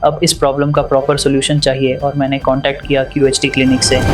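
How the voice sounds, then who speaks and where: A man's fairly high voice in a monotone, flat delivery, with music in the background. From Jammu and Kashmir, India. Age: 20s. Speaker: hair transplant patient, IT professional. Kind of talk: testimonial interview. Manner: hesitant, many fillers.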